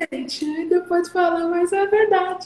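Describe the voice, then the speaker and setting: A woman with an extremely high pitch. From Brazil, Mato Grosso do Sul (Três Lagoas). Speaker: aesthetic biomedical practitioner. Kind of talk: casual interview. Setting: live video stream from her clinic.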